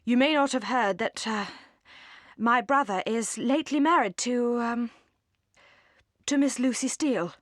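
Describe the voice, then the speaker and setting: A woman voicing an embarrassed young Regency gentleman in an audiobook, stammering politely. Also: very high voice, unhurried, no room sound, studio quality. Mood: awkward, hesitant.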